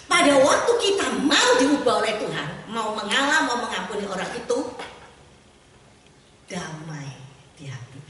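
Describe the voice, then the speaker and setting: A woman evangelist preaching a sermon in a church, lively and warm with laughter, acting out the voices she quotes. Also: medium pitch, slight background noise. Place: church sanctuary. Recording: echoey church hall, mic at a distance.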